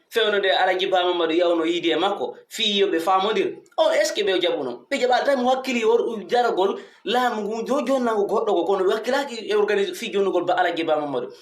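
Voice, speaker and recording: High-pitched man in an echoey room. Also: quick pace. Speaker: online commentator addressing followers. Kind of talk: informal commentary monologue to followers.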